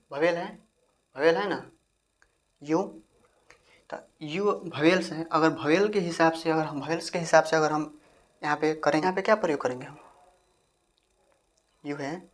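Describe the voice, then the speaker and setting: A woman teacher gives a grammar lesson, repeating herself and asking the viewer questions. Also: low-pitched. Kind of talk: classroom-style grammar lesson.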